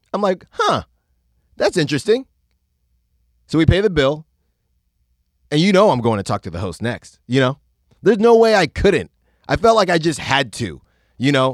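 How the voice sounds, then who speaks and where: Marked by vocal fry and very wide pitch swings, the voice moves at a moderate pace with long, frequent pauses, captured in a very clean recording with a silent background and a dry, close sound with no echo. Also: man, fairly high pitch for a man. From Northern California, Bay Area (Concord). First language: Spanish. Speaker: podcast host. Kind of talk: casual solo monologue. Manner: conversational, many fillers.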